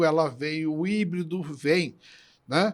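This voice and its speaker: The recording is very clean, with a silent background. A man speaks in a fairly high pitch. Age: 60s. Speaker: agronomist. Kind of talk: podcast interview. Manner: animated; halting.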